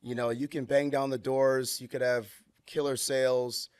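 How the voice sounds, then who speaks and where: Male podcast host, mid-pitched, encouraging, chatty, dry close recording. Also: flat delivery, normal speed, a little mellow, smooth, no echo. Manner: affirming, chatty, lots of fillers and backchannels. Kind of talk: casual interview chat.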